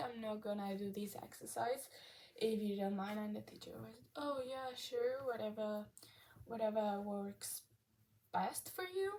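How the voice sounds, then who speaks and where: There is noticeable background noise as a woman talks fairly slowly. Her pitch is fairly high, with ordinary variation. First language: Spanish. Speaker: vlogger. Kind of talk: casual talk to camera. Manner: halting, many fillers.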